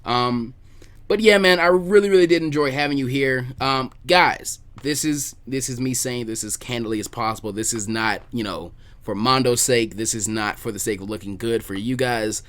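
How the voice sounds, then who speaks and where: Man, podcast host, casual chat, informal phrasing, emphatic repetition, mid-pitched voice. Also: moderate pace, a bit bright.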